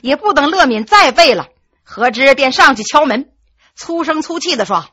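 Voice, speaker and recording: A woman storyteller narrating a traditional tale with lively, expressive delivery. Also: sits high, normal speed, dry recording, studio quality.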